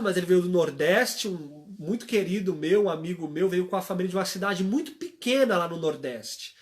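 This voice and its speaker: On a live stream, a young church worker with a high-pitched voice gives a religious testimony. He tells stories, acts out the voices he quotes, and poses rhetorical questions the way a preacher would.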